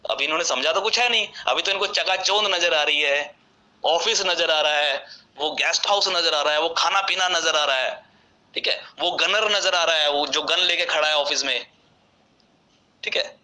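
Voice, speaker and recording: Impassioned man with a bright, high voice. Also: normal speed, poor audio. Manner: impassioned, rhetorical questions, repeats himself. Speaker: company director addressing members. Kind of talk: unscripted recorded statement.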